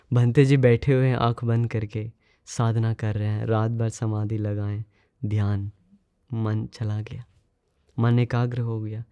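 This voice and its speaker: Male monk preacher, sermon storyteller, mellow low-bright tone, dry close sound, asks listeners rhetorical questions. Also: clean tone, no room sound.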